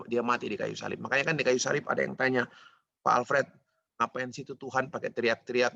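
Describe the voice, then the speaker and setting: A man gives a Christmas sermon in a relaxed, conversational style, putting questions to his listeners and answering them himself. His voice is gravelly and a little husky, set somewhat high for a man. The sound is dry and close. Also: no echo. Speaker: preacher.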